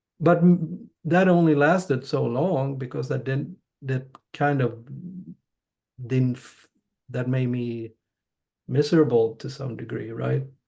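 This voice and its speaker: A man with a medium-pitched, somewhat breathy voice and a dark, mellow tone speaks with ordinary pitch variation. He leaves long, frequent pauses, and his loudness swings widely. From Sweden, Gothenburg. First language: Swedish. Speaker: spiritual teacher, former architect. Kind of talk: interview conversation. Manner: halting, many restarts.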